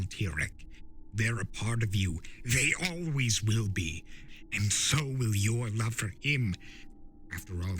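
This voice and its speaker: A man voicing an impassioned, scolding male spirit of chaos with theatrical, drawn-out emphasis in a dramatic story reading. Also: fairly low pitch, a bit bright, a little hiss or hum. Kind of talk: dramatic fan-fiction reading.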